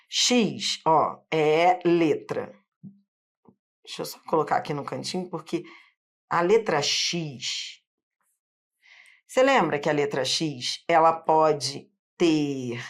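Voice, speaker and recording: A woman teacher with a Carioca accent from Rio, patiently explaining a phonetics lesson step by step. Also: low-pitched. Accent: Carioca Brazilian Portuguese. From Rio de Janeiro. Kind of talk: online phonetics lesson at a board.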